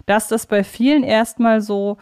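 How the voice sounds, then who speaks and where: A woman's voice: fairly high pitch, fairly even intonation, measured pace, darkish tone, clean tone. A woman asking conversational questions as a podcast interviewer.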